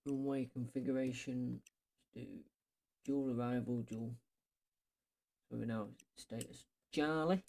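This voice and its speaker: A man's voice: mid-range voice, fairly even intonation, unhurried, creaky, pauses often, a little mellow. A man giving casual gameplay commentary, thinking aloud in short, offhand remarks as he plays. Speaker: streamer playing an air traffic control game.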